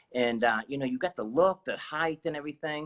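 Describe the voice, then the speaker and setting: The recording is dry and close with no echo, carrying a man's fairly high-pitched voice at a moderate pace. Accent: Boston. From Boston area, Massachusetts. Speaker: martial arts instructor. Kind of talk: interview conversation. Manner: halting, many false starts.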